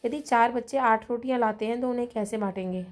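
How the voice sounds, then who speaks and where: A woman teaching a children's math lesson, who explains slowly and patiently, counts items out loud and keeps checking in with her pupils, with a Hindi accent of Rajasthan. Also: fairly high pitch.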